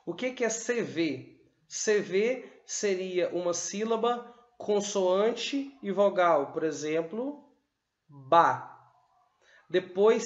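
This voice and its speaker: A man's voice: high-pitched, echoey room, muffled recording. A man teacher giving a literacy lesson at a whiteboard, spelling out sounds and syllables one by one. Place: room with a whiteboard.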